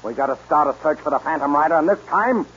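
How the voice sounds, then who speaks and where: An actor playing a ruthless, proud cattle boss with a husky voice in a 1940s radio drama. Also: male voice, a little high, animated, fast, a bit bright. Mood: alarmed. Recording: dull old radio recording.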